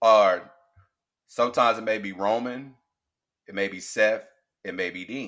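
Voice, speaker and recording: Recorded very cleanly against a silent background, a man speaks in an animated tone at a moderate pace. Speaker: wrestling podcast host. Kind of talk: casual podcast monologue.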